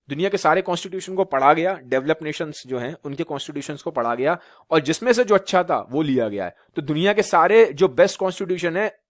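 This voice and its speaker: A man's voice: high-pitched, no echo, studio quality. A male teacher from Uttar Pradesh lecturing students, mixing English terms into his talk and often asking rhetorical questions and checking that they follow. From Uttar Pradesh, India. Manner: repetitive rhetorical questions, frequent "theek hai" checks. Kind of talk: classroom lecture in Hindi mixed with English.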